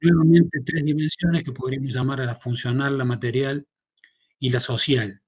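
A middle-aged man with a Cordobés Argentine accent presents his paper over a headset on a video call. He talks in a thoughtful, halting way, with many fillers and restarts. His voice sits at a middle pitch, and the sound is a little dull and muffled. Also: fairly even intonation, a little mellow. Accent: Cordobés Argentine Spanish. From Córdoba, Argentina. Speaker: university professor presenting a paper. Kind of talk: conference talk. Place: small room at home.

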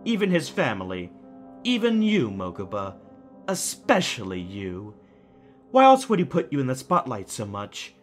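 A man playing a calculating, smugly theatrical kidnapper in an audio drama, mocking with drawn-out, deliberate phrasing. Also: mid-range voice, wildly swooping pitch, soft background music. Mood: sly goading.

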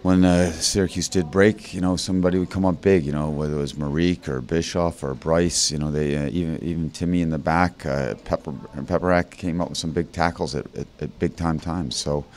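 A man in his fifties, a head coach in a postgame interview, talking haltingly with many fillers and restarts into a handheld mic. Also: extremely low pitch, fairly even intonation, a little mellow. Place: indoor interview backdrop. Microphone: handheld mic held by interviewer.

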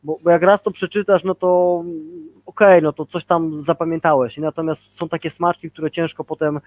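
A man's voice: a little high, level tone, moderate pace, darkish tone, dry recording. A man in his forties talking casually on a video call as a guest leadership trainer, rambling with many fillers and tag questions.

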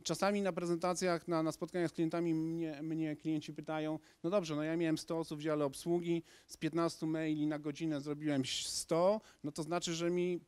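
Energetic man lecturing into a handheld mic. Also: fairly high pitch, brisk, few pauses, clear, resonant tone, no echo. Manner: energetic, gesturing, with frequent restarts. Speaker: conference speaker. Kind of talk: lecture presentation to an audience. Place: large lecture hall. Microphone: handheld microphone.

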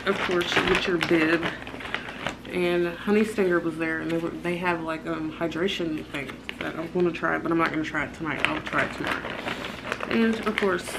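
A middle-aged American woman chatting casually to camera as a vlogger in a hotel room. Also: on the low side. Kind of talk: casual vlog chat, showing items to camera. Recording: clearly noisy room sound.

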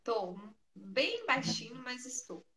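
A woman with a Brazilian Portuguese accent speaking gently and encouragingly to a prayer group over a phone call. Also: fairly high pitch, very animated, takes it slowly, music in the background. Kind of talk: prayer meeting talk. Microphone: phone on an online call.

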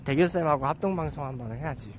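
A man's voice: fairly high pitch, fast talker, background noise. A man in his thirties chatting casually to a phone held at arm's length as he walks outdoors on a residential street, rambling with self-mocking asides. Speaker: live streamer. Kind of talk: casual walking livestream chat. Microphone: handheld phone at arm's length.

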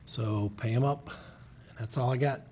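Matter-of-fact finance director. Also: male voice, medium pitch, steady tone, moderate pace, darkish tone, a little hiss or hum. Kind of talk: council meeting report. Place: city council chamber.

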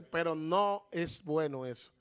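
A man's voice: on the high side, wildly swooping pitch, very slow. A man co-hosting a TV talk show, chatting casually and animatedly, often repeating himself and talking over others. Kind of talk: casual panel chat.

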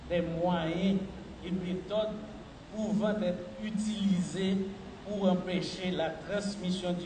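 A middle-aged man gives a formal, measured speech as a health official at a podium mic in a large hall. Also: high-pitched. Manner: measured, deliberate official delivery. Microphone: podium mic on a stand. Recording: echoey hall, far from the mic, noisy.

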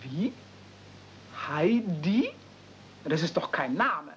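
A woman's voice: big pitch swings, extremely slow, exaggerated voice. A woman playing a strict, haughty, easily scandalised housekeeper, formal and stiff, in a 1970s radio play. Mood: appalled. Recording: dull, rumbly, noisy old cassette transfer.

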